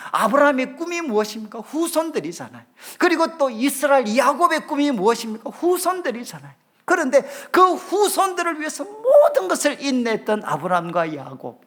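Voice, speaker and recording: A middle-aged male pastor giving a revival sermon, acting out his prayers and God's replies. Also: extremely high pitch. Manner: animated, with voiced quotes of prayers.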